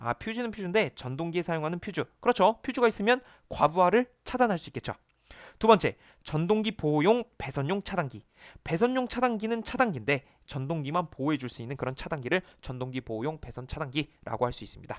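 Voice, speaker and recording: In a very clean recording with a silent background and a dry, close sound lacking echo, a man speaks at a high pitch and fairly quick pace, with very wide pitch swings and big swings in loudness. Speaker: electrical exam tutor. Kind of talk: lecture. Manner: fast; occasionally stumbling over words.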